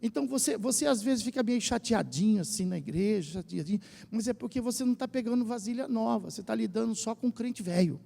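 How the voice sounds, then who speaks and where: A Brazilian man with a São Paulo accent preaching a lively sermon as pastor, drawing the congregation into call and response. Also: high voice, fast, gravelly, few pauses. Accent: Brazilian Portuguese, São Paulo state. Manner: animated preaching, asks the congregation to repeat phrases. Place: church hall. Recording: church hall with long reverb.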